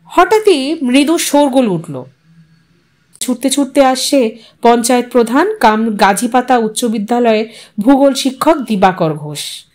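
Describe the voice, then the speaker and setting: A woman's voice: fairly high pitch, lively intonation, a little slow, darkish tone. A woman reading a literary story as an audiobook narrator, in a dramatic storytelling style.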